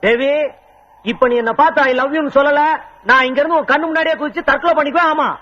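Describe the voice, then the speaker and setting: An actor playing a brash young man who woos a woman with fast, pleading, comic boasting, on a dull old film soundtrack. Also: high voice, lively intonation, fairly bright tone, slightly rough, full character voice. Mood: boastful. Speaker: suitor. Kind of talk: Tamil film dialogue.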